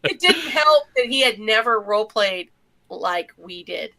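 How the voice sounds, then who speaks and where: A woman's voice: medium pitch, expressive, a little slow, pushed and bright. A woman co-hosting a podcast, telling anecdotes in casual conversation. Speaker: podcast co-host.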